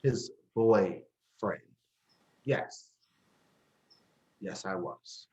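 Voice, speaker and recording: An actor playing a bitter, grieving, sharp-tongued young gay man in a drama, sarcastic and confrontational. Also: low-pitched, very slow. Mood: hurt. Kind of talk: dramatic dialogue acting.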